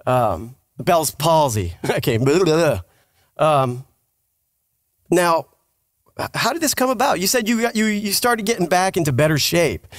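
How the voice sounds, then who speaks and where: A man co-hosting a podcast in casual interview chat, halting, informal and jokey. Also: a little high, animated, no echo, clean studio sound. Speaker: podcast co-host.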